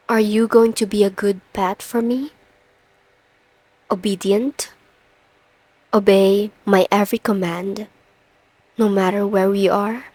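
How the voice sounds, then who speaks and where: A woman playing a confident, teasing, dominant boss in an intimate ASMR roleplay, with a commanding, coaxing manner and deliberate pauses. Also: medium pitch, a little mellow, no echo, low-quality recording. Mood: commanding, composed. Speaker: audio roleplay performer.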